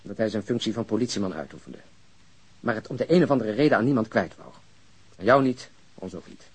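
A man acting in a crime audio drama as an earnest, principled police detective, blunt and probing, speaking deliberately. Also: fairly low pitch, expressive, husky. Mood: serious, probing. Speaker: actor in a radio drama.

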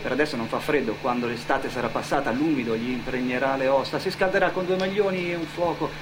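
A man's voice: medium pitch, quick pace, background noise. A man working as an actor-narrator, telling a story in dramatic theatre style. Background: music under the voice.

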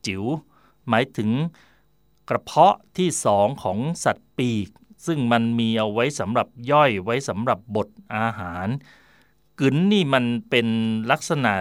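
A man's voice: mid-range voice, lively intonation, measured pace, no echo, studio quality. Chatty man explaining word origins. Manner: chatty, digressive, with fillers and self-corrections. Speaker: radio host.

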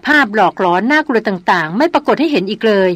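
Woman voicing a calm male jungle hunter, steady, reassuring, dry close read. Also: on the high side, quick pace, dry recording. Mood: calm advising.

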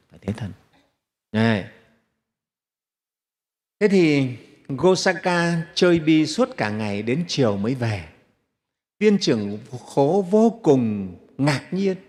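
A Buddhist monk with a medium-pitched, darkish voice tells his congregation a teaching story, posing rhetorical questions as he goes. The sermon is recorded with a long hall reverb.

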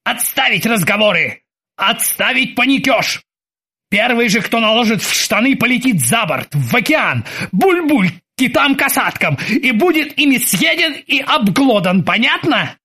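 Guy playing a bossy sea captain barking orders, ironic, a bit husky, storybook. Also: high voice, sing-song, a little slow, a bit bright, pitched above the performer's own voice, heavily acted. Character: gruff bossy male sea captain, bow-legged.

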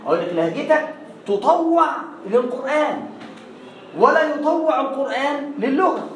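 Egyptian accent, recitation teacher, slow repeated demos, heavy room echo, distant from the mic. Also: high voice, lively intonation, a little hiss or hum. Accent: Egyptian Arabic. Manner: recites example words slowly and repeats them to demonstrate. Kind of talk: classroom lesson with recited examples. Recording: echoey room, voice far from the mic.

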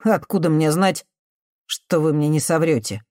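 A woman reading an audiobook voices a desperate young man who answers with bitter sarcasm and often breaks into shouting. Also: low voice, measured pace, dry recording, clean studio sound. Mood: sullen.

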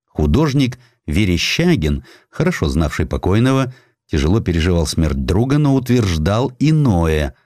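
A man with a deep voice narrates a historical sketch. His intonation moves widely, giving the scripted storytelling a dramatic, expressive shape. The sound is very dry, with hardly any room around it. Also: normal speed, no echo. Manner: expressive storytelling, voicing quotations. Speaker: audiobook narrator.

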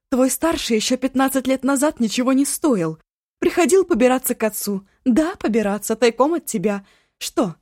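A woman's voice: fairly high pitch, dark tone, no room sound, clean studio sound, voice pushed up. A woman voicing a furious middle-aged mother who shrieks venomous abuse into a phone.

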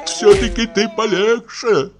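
A man putting on a fretful old fusspot, tearful whine, high pitched, storybook reading. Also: steady tone, slow. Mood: whining fretful. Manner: plaintive, whining. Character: fussy anxious older man, tearful.

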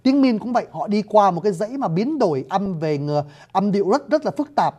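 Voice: medium pitch, big pitch swings, a little fast, mellow. A lecturer, explaining at length and often addressing listeners directly. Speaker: lecturer on scripts and languages. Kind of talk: spoken lecture.

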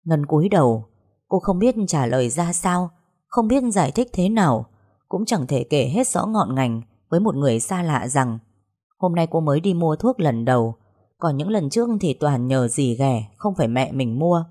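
Low-voiced woman narrating a story. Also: animated, normal speed, warm tone.

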